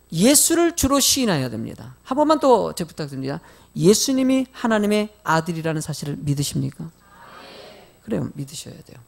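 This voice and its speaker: A man's voice: very high-pitched, creaky. A middle-aged male pastor preaching a sermon, questioning the congregation directly and telling folksy, lightly humorous stories.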